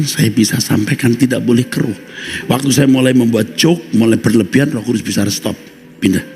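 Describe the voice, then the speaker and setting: A man preaching a sermon as pastor, animated, breaking into acted-out anecdotes. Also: medium pitch. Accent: Indonesian.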